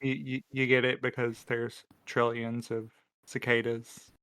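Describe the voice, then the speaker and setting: Man, smooth clean voice, slow pace, casual podcast chat, dry humor, measured. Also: mid-range voice, monotone, fairly bright tone. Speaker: podcast crew member answering questions.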